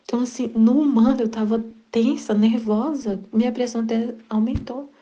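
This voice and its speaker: Hosting a Catholic devotional channel, a middle-aged woman with a Brazilian Portuguese accent shares a personal spiritual reflection, earnest and repetitive, with halting restarts. Her voice sits a little high with fairly even intonation, and the sound is lo-fi.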